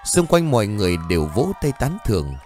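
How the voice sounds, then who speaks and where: A man narrating a story in an expressive way. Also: on the low side, fast, soft background music, some chatter behind.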